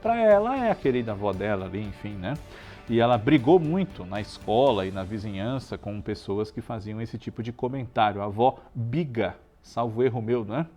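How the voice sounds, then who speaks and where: A man's voice: on the low side, lively intonation, normal speed, mellow, faint music behind. A man with a Brazilian Portuguese accent hosting a tribute show, talking conversationally to viewers and often adding chatty tag questions. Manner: chatty, frequent tag questions seeking agreement. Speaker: show host.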